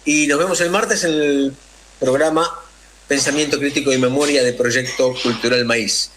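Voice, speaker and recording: A radio host signs off his program in a friendly, casual way. His voice sits at an average pitch, and faint noise hangs under it. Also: fairly even intonation, moderate pace, a bit bright, rough recording.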